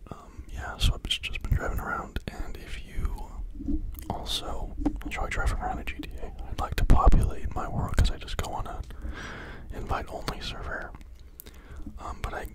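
Fairly quick delivery, a dry sound with no echo, and loud background noise. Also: man. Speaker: ASMR creator. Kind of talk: casual vlog chat. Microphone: studio mic.

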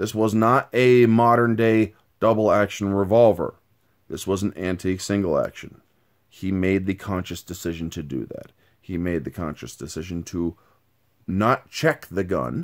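A man talks at a moderate pace against a quiet background. His pitch is fairly low, with ordinary variation. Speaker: commentator. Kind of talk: casual vlog commentary. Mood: serious, critical. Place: home room. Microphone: phone near.

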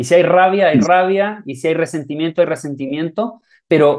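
A man with a high pitch speaks at a moderate pace. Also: quiet background. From Chile. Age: 20s. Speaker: spiritual teacher. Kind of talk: interview. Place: home room. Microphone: earbuds.

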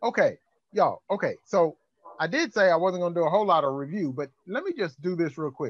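In an American accent, a man talks at a fairly quick pace and high pitch, the sound dry with no echo. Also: ordinary pitch variation. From US South. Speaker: church singles group leader. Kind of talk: group discussion facilitation. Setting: video call. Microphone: video call.

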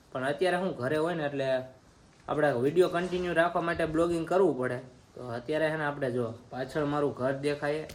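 This is an ordinary speaking voice from a man. His pitch is fairly high, with ordinary variation. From Gujarat, Surendranagar district. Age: young. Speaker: vlogger. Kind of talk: casual vlog Q&A. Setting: outdoors in front of his house.

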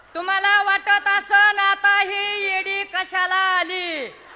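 Raised and projected, a woman's voice comes out extremely high and bright and sharp in tone, delivered in a monotone, flat way. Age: old. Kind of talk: political rally speech. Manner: bold, outspoken.

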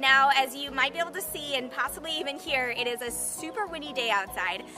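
A woman talks at a fairly quick pace in a raised, projected voice. Clear music plays in the background. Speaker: product reviewer. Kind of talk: product review presentation. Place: open country.

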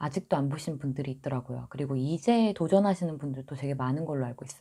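Against a quiet background, a woman speaks with a very deep, low pitch. Her voice is somewhat breathy, with a dark, mellow tone. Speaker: YouTube vlogger. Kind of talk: casual vlog talk to camera. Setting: cold room at home. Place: home room. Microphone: lapel.

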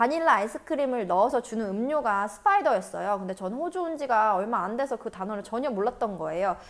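A woman at a moderate pace, fairly high in pitch, with very wide pitch swings. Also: quiet background. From South Korea. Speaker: vlogger. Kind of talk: personal storytelling vlog. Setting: filming by a window at home. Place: home room. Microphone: earbuds.

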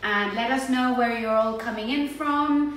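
Audible room echo and light background noise surround a woman. She speaks at a moderate pace with ordinary pitch variation. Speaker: chef hosting cooking demo. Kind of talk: casual livestream intro. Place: kitchen. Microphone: phone near.

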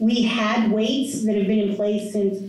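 A woman's medium-pitched voice comes through with noticeable background noise. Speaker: school superintendent. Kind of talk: meeting presentation.

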